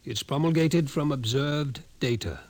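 A man's voice: medium pitch, measured pace, darkish tone, lightly acted. A man playing a grave, insistent doctor in a 1950s radio drama, lecturing emphatically with an ominous air. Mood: intense, knowing. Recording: noisy old 1950s radio recording.

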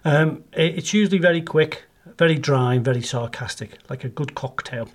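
A man's voice: on the high side, normal speed. A man from Liverpool with a Scouse accent, co-hosting a podcast in a jokey, casual way with many ums. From Liverpool, England. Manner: jokey, self-deprecating, hesitant with ums. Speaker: podcast co-host. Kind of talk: casual chat.

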